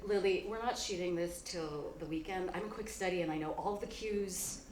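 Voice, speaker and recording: A woman's voice: lowish voice, normal speed, darkish tone, echoey room, slight background noise, close to an everyday voice. A woman playing a young Japanese American actress who insists that she should take the other role. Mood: insistent. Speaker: Patty's actress. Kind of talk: staged reading of a play.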